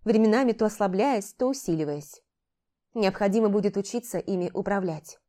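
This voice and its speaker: A wise male talking cat from a fantasy storybook, read by a woman, calm and lecturing with a dry, teasing edge. The voice sits mellow and dark in tone, never rushed, patiently explaining hard truths. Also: medium pitch, lightly acted. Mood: reassuring. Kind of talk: audiobook character voicing.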